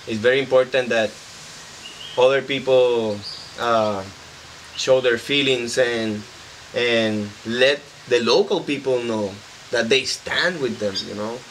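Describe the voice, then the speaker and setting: Slow bright-voiced young man. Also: mid-range voice, a little hiss or hum, rough recording. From Puerto Rico. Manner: slow, earnest, with many fillers. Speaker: volunteer builder. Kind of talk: interview answers. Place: outdoors by a bottle wall.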